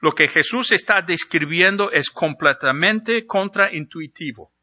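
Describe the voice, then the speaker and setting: A man's voice: a little high, unhurried, pushed and bright, muffled recording. A man preaching a sermon in an earnest, explanatory way, posing questions to the congregation. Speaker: pastor.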